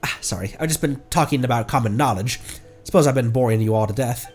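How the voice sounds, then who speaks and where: A man voicing an earnest, pedantic academic who lectures in a halting way. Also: mid-range voice, darkish tone, slightly rough, soft background music, close to an everyday voice. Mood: earnest, lecturing. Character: earnest, pedantic young academic of marine bones.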